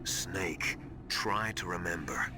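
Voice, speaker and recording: A man's voice: low voice, slow pace. A man voicing a worried military ally in a video game, explaining things in an earnest, hesitant manner. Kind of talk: dramatic video game voice acting. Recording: loud music over the voice.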